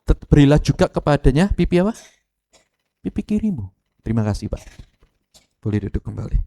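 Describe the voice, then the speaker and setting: A middle-aged man with an East Javanese accent preaching an animated sermon, speaking straight to the congregation. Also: on the high side, a little fast, creaky. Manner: animated, addresses congregation directly, mixes Javanese phrases. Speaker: pastor. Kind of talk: lively sermon with acted quotes.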